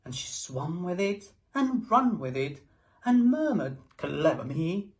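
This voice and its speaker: A woman's voice: medium pitch, sing-song, measured pace. A woman reading a rhyming picture book aloud with a rhythmic, sing-song delivery. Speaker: storybook reader.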